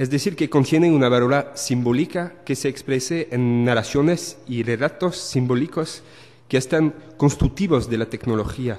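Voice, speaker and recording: The man's pitch sits fairly high with ordinary variation. He talks at a moderate pace. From France. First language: French (speaking Spanish). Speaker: academic researcher. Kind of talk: conference talk read from a script. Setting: conference panel with audience. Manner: halting.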